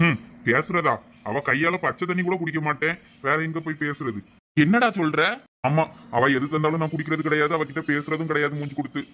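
A man's voice: a little high, fairly even intonation, a little fast, pushed and bright, rough recording. A man playing a stubborn young village husband. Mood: bickering. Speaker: skit actor playing a husband and his friend. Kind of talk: village family comedy skit.

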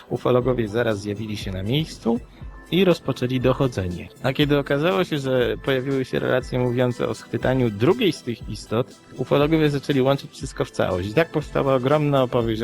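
A man from Poland co-hosting a podcast, telling and commenting on cases in a conversational, measured, explanatory and sceptical way. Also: medium pitch, creaky, darkish tone. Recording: music playing behind the voice. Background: background music.

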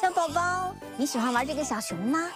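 A woman voicing a lively, playful fifth-grade girl in a children's cartoon. The girl is chatty and quick to pout and whine. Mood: coaxing. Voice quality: very high, bouncy childlike voice. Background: cartoon background music.

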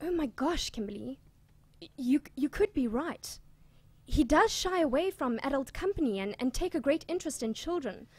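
A woman's voice: high voice, expressive, moderate pace, darkish tone, no room sound. A woman playing a pious, motherly nun in an audio drama, soothing and hesitant, protective of her church. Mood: anxious.

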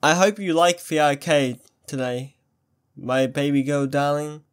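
Unhurried, higher-voiced affectionate boyfriend, acted by a man. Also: smooth, lightly acted. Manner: doting, pet names, mock sports commentary. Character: affectionate, playful, excitable young boyfriend on a date. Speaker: audio roleplay performer. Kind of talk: ASMR boyfriend roleplay.

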